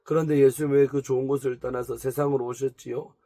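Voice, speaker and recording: A man reading aloud the questions of a pastor's wife counseling a troubled woman, pointed and calm. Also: medium pitch, fast, dry recording, natural voice. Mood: gentle.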